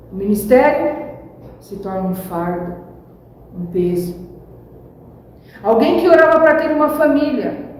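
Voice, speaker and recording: Woman pastor, sermon; warm, slightly high voice, distant echoey church recording. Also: slight background noise. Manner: preaching with rising emphasis and acted examples. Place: church hall. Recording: echoey church hall from far off.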